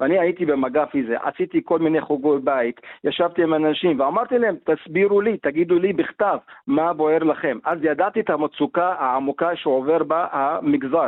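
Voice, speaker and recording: Keeping his loudness very even, a man with a fairly high pitch talks in an ordinary speaking voice at a moderate pace, with hardly any pauses and ordinary pitch variation. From Golan Heights, Druze. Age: 40s. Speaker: party founder, former teacher. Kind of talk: radio interview.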